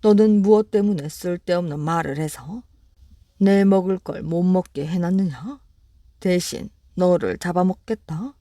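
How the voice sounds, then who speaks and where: A woman voicing a greedy, menacing male tiger in a bedtime storybook reading, speaking gruffly and threateningly. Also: fairly low pitch, measured pace, dark tone, no room sound, clean studio sound, close to an everyday voice.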